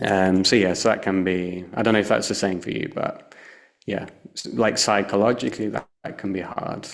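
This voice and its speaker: A man with a British accent speaks at a moderate pace. His voice is very deep and low. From United Kingdom. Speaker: UX researcher. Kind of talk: interview answer.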